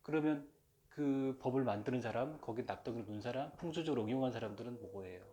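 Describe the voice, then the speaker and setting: This is a man giving a relaxed, meandering lecture on his own channel. He talks in a mid-range voice, drifts between points with plenty of filler words, and throws in jokey asides. A faint background hiss runs beneath him. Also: medium pitch, quick pace, muffled recording. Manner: rambling and chatty, with many fillers and self-aware jokes; playfully mimics regional dialects. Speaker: channel host talking about folk religion. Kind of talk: casual lecture monologue.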